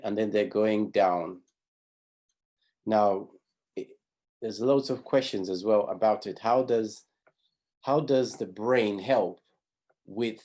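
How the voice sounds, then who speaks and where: A man's voice: lowish voice, mellow. A middle-aged man from Zambia teaching a youth class, explaining step by step and often restarting his phrases. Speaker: pathfinder honour instructor. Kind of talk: teaching a class over video.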